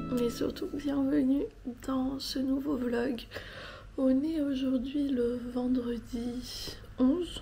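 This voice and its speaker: A quiet, whispering woman, with noticeable background noise and audible room echo. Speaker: vlogger. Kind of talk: casual vlog talk. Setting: at home in the apartment, early morning. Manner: whispering, speaking very quietly.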